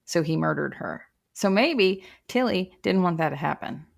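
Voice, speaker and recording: A woman's voice: on the low side, lively intonation, moderate pace, gravelly. Wry, quipping woman podcast co-host. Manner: wry, joking interjections. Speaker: true crime podcast co-host. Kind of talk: casual chat with quips.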